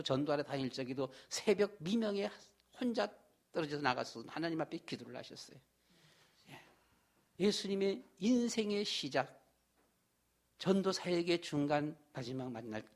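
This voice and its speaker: A middle-aged male pastor preaching a sermon in a church, with a slightly higher-than-usual voice. He speaks in a relaxed, everyday way, repeating himself often and scattering fillers like "보게 되면" throughout. The manner is warmly conversational, more like talking things over than a formal address. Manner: folksy, repetitive preaching with many "보게 되면" fillers. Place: church sanctuary.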